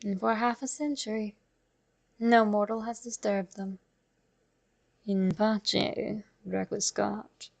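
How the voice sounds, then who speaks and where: A woman reading a classic horror tale aloud in a slow, measured, darkly dramatic way. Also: medium pitch, little pitch movement, vocal fry, a little mellow. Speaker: horror story narrator. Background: faint music.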